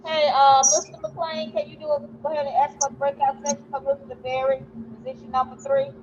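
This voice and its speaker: A woman court staffer giving quick instructions over a remote connection. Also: high voice, level tone, a little mellow, lo-fi sound, slight background noise.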